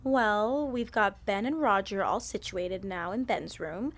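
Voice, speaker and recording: A woman playing a gentle young friend in an audio drama, soothing and a little hesitant. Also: mid-range voice, measured pace, natural voice. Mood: reassuring.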